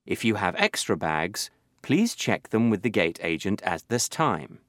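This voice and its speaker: A man's voice: fairly low pitch, sing-song, unhurried, fairly bright tone, no echo, clean studio sound. A man playing an airline gate agent, giving a formal, scripted airport announcement to passengers. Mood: formal, instructive. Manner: formal, clearly addressing passengers.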